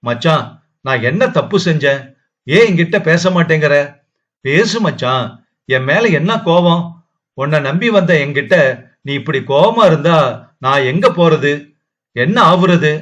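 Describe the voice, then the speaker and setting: A man's voice: on the high side, lively intonation, moderate pace, fairly bright tone. A man voicing a feverish, distraught young wife who pleads and wails through sobs, in a dull lo-fi recording. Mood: tearful pleading. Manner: wailing, sobbing pleas. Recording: dull lo-fi audio.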